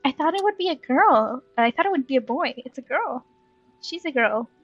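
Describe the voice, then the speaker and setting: A woman's voice: sits high, expressive, normal speed, muffled recording. A woman giving casual, playful, giggly commentary as she streams a game with a friend. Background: soft game music.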